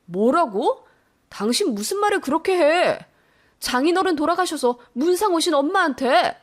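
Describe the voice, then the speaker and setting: A woman voicing a husband who loudly defends his mother in a radio story. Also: high voice, lively intonation, a little slow, husky, voice pushed up, exaggerated voice. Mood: alarmed. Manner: loud, alarmed.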